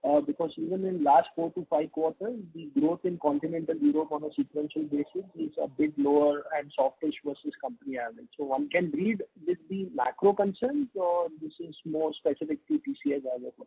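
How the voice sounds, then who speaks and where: Man, financial analyst, very gravelly, narrow lo-fi phone line, posing questions on an earnings call. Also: sits high, big pitch swings, brisk, few pauses, no room sound.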